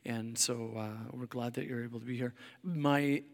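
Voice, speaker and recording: Hoarse male pastor in a reverberant hall. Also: mid-range voice, fairly even intonation, normal speed. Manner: casual and rambling, with many fillers and restarts. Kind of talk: sermon. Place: church hall.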